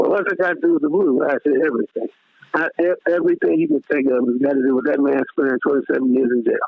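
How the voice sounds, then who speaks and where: A man with an American accent talks at a very fast pace. His loudness stays very even throughout. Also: fairly high pitch for a man, ordinary pitch variation. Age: 70s. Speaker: blues musician and author. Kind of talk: interview. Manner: halting, many repetitions.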